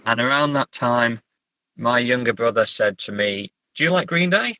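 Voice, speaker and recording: A man from England chatting casually as an interview guest, halting and self-correcting, with a wry way of telling stories. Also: medium pitch, expressive, bright, forceful tone, no echo, low-quality recording. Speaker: horror novelist and therapist guest. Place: sitting in a parked car.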